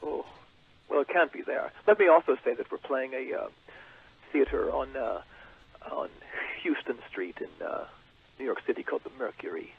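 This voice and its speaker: A man playing a boastful, self-important rock frontman who calls in, halting with fillers. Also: medium pitch, big pitch swings, creaky, breathy edge, heavily acted. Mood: pompous. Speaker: caller. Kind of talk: comedic call-in character. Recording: tinny phone line with hiss.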